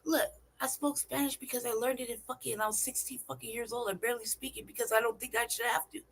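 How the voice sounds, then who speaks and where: A California vlogger talks fast in a fairly high, fairly even voice, swearing often, hammering her points and throwing out rhetorical questions in a casual monologue. The audio is poor, with a little hiss or hum.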